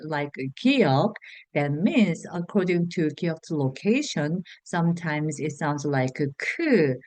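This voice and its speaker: Woman, Korean accent, language teacher, careful and hesitant, slow delivery, somewhat low voice. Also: a little mellow, dry recording. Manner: hesitant, many "uh" fillers and restarts. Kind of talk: slow explanatory lesson for learners.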